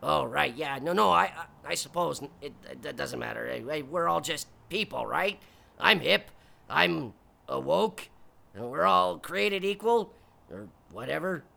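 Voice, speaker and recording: A man's voice: fairly high pitch, expressive, unhurried, creaky, sharp tone, full character voice. An actor playing a bitter, blustering forty-year-old man who rants, stammers and talks to himself. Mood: sarcastic. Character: bitter blustering fortyish loser anchor wannabe.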